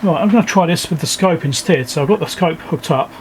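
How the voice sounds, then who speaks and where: A man with a fairly high voice talks through repair work in an informal, think-aloud way. He sounds like a video host explaining each step at his bench, with some noise in the recording. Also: fast talker. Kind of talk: casual hands-on repair walkthrough. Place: indoor electronics workbench.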